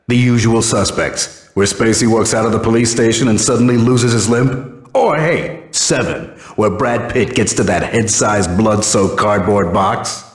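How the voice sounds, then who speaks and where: Actor as a low-voiced, musing goon. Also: male voice, a little slow, lightly acted. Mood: enthusiastic. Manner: conversational, musing. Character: chatty, movie-obsessed goon, laid-back and boastful. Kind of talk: video game voice acting. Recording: echoey room, long reverb.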